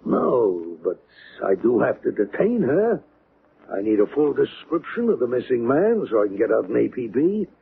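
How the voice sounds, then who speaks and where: An actor in a 1970s radio drama playing a by-the-book police sergeant with a folksy, hesitant manner. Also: male voice, medium pitch, big pitch swings, moderate pace, gravelly, husky, full character voice. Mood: conciliatory, firm. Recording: muffled, noisy old radio recording.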